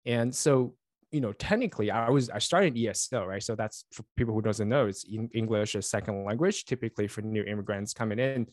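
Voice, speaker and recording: A man's voice: lowish voice, a little fast, a little mellow, no room sound, clean studio sound. A man in his forties who grew up in Taiwan, a native Chinese speaker, chatting as an interview guest in a friendly, rambling way with many fillers and restarts, talking over a remote call. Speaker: guest, network engineer and author. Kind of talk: casual interview chat.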